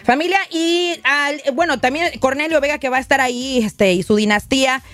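A woman's voice: high-pitched, moderate pace, fairly bright tone, no room sound, faint music behind. A woman hosting a radio interview, chatty and upbeat, with many fillers. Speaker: radio host.

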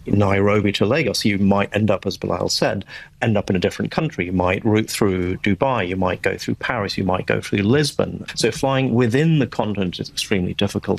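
A man speaking as a guest expert in a news interview, analytical and steady. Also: on the low side, vocal fry.

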